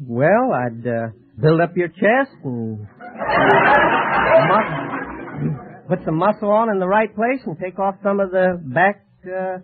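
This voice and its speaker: A man from California with an American accent, answering a quiz host politely and haltingly as a contestant. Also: high-pitched, lively intonation. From California, United States. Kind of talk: plain, halting interview answers. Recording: narrow, crackly old radio broadcast.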